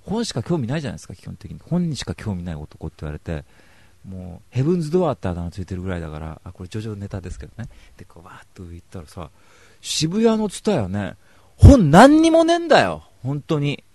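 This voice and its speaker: A man's voice: low-pitched, racing, vocal fry, no room sound. A young man hosting a live radio talk show, telling stories in a casual, joking way. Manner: animated, joking storyteller.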